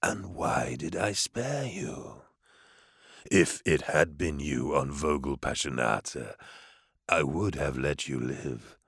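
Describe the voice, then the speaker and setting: An ancient demon host speaks in an abyssal, gravel-rough voice for an audiobook. He talks slowly and deliberately, coldly manipulative. The voice has a harsh, tense edge and a husky grain. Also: animated, fairly bright tone, dry recording, clean studio sound, exaggerated voice. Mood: taunting. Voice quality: very deep gravelly voice, slow and measured. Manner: taunting, intimate, drops into whispers. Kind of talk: audiobook character voice.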